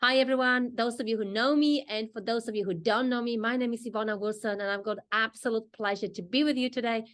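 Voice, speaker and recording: A woman's voice: fairly high pitch, steady tone, a bit bright. A middle-aged woman from Poland with a Polish accent, presenting a business training session in an earnest, explanatory way. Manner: earnest, explanatory, pauses often in short phrases.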